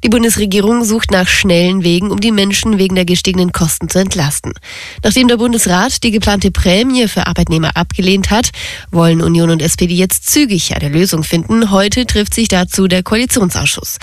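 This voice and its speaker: A woman reads scripted news for radio. Her voice sits at a medium pitch, and the studio sound is very dry and close. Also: brisk, no room sound. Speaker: radio newsreader.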